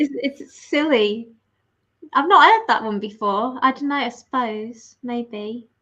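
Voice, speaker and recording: Bright and sharp in tone, a woman speaks high in pitch with a slight Scouse accent, her loudness swinging widely. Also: ordinary pitch variation, fairly slow pace. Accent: slight Scouse (Liverpool). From Liverpool, England. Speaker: activist. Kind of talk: casual chat.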